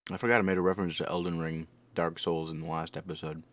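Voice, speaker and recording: A man's voice: deep voice, level tone, fast, a bit bright. A man giving casual, off-the-cuff reaction commentary, rambling and repeating words for emphasis. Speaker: anime reaction host and reviewer.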